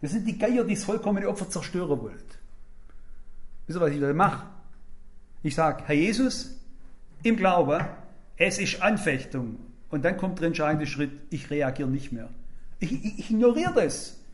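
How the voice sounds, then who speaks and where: An older man preaching a sermon to a congregation, telling stories in a lively, emphatic way and acting out quoted speech. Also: a little high, moderate pace, long pauses.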